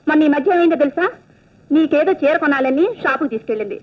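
An actress playing a talkative, chiding middle-aged aunt in a film drama. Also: female voice, high voice, fast talker, natural voice. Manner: chiding, talkative, matter-of-fact. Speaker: aunt of the heroine. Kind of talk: 1980s Telugu film dialogue. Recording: dull lo-fi film soundtrack.

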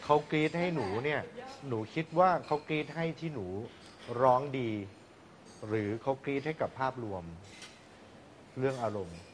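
A man vocal coach questioning a singer in a measured, probing way. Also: medium pitch, expressive, a little hiss or hum. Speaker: vocal coach giving feedback. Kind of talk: critique after a performance.

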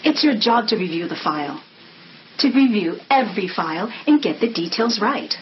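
An actress playing a stern, exacting office boss in a screen drama. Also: female voice, medium pitch, expressive, moderate pace, over music, lightly acted. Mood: stern, reproachful. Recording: dull sound with faint noise.

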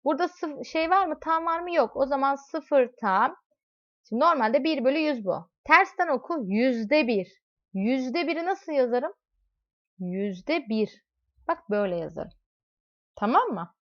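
A woman teaches math in a high-pitched, slightly bright voice with lively intonation and a moderate pace, though the recording itself is dull and lo-fi. She draws on everyday examples, talks directly to her students as "you," and questions them as she explains.

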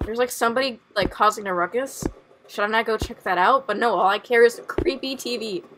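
A woman's voice: on the high side, brisk, background noise. A young woman on a headset mic, playing a horror game and commenting nervously, laughing and asking questions. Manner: nervous, giggly, full of questions. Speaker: gaming streamer.

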